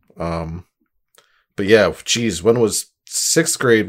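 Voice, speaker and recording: A man talks fairly slowly, captured on a very clean recording with a silent background. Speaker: tabletop roleplaying podcast player. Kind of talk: casual chat.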